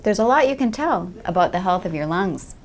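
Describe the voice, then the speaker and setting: A woman's voice: mid-range voice, expressive, fairly quick. A woman in her thirties presenting to camera as a TV reporter in a small office. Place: small indoor clinic office.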